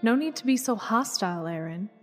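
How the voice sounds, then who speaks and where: Woman playing a high-voiced, condescending villainess, reverberant. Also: expressive, a little fast. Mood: mock-courteous. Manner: polished, mocking politeness. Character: smooth, condescending female villain in command. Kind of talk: audio drama acting. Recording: long reverberant hall, faint music underneath.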